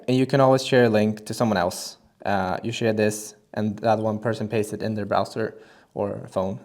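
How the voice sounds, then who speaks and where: A man presenting a casual screen-recorded software tutorial, talking in a relaxed way with frequent fillers and restarts. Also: medium pitch.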